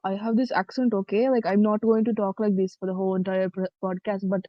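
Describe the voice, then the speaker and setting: A woman's voice: mid-range voice, level tone, a little fast, no echo, close to an everyday voice. A woman putting on an exaggerated Indian accent as a comic bit, in a dull, lo-fi recording. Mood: mock-comic. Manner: mock-comic, over-the-top delivery.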